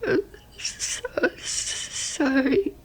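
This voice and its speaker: A woman's voice: on the high side, little pitch movement, unhurried, a little mellow, slightly rough, low-quality recording. A woman voicing a timid, deferential young servant who speaks hesitantly and very politely. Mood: tearful.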